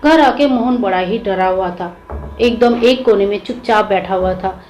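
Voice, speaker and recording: A woman's voice: mid-range voice, moderate pace, darkish tone, faint music behind, low-quality recording. A woman telling a devotional story in a simple, homely way.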